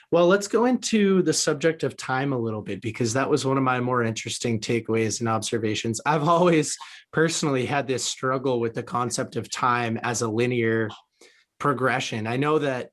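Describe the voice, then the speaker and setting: A man's voice: medium pitch, normal speed. A man from the United States hosting a conversational podcast interview, musing reflectively at length.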